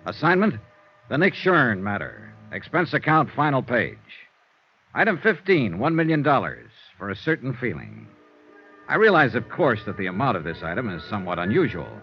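A man's voice: mid-range voice, wildly swooping pitch, normal speed, soft background music. An actor playing a tough, wry male insurance investigator in a 1950s radio drama, narrating and talking in a dry, matter-of-fact way. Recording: dull old radio broadcast with faint hiss.

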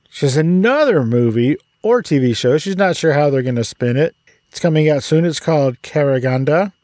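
Upbeat podcast host, dry sound. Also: male voice, a little high, a little mellow, no room sound. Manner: upbeat, chatty intros. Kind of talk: casual interview.

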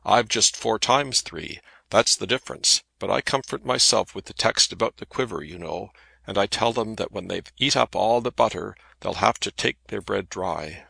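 A hearty, talkative middle-aged solicitor, as a man puts him on, bluff and friendly. The voice sits low and gravelly, with a forceful edge and a husky grain. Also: moderate pace, no room sound, heavily acted. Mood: cheery.

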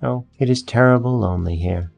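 A man's voice: mid-range voice, a little fast, gravelly, a little mellow, faint music behind, natural voice. A man voicing a wistful young fir tree. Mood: lonely. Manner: wondering, longing questions. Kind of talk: storybook reading.

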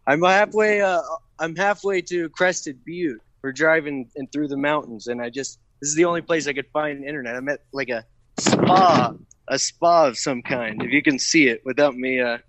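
A man's voice: on the high side, normal speed, fairly bright tone, poor audio. Man on a wind-tunnel-like call. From Texas, US. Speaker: podcast intern running social media. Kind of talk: casual video call chat. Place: on a video call from a mountain stop.

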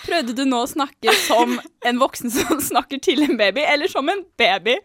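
A woman chatting on a student radio quiz in quick, short remarks. Her voice is high and lively in pitch, recorded dry and close. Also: no room sound. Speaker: radio co-host and quiz contestant. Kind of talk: casual radio chat. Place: radio studio.

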